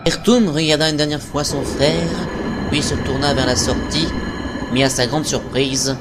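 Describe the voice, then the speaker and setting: A man's voice: fairly high pitch, fairly even intonation, moderate pace. A man narrating an anime parody as a theatrical, epic storyteller. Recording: amateur recording under loud music. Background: loud music.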